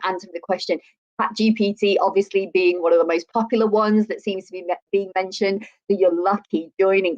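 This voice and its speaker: A woman's voice: medium pitch, darkish tone, highs cut off. A woman co-hosting a live show in a chatty, effusive way, repeating words for emphasis. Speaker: show co-host.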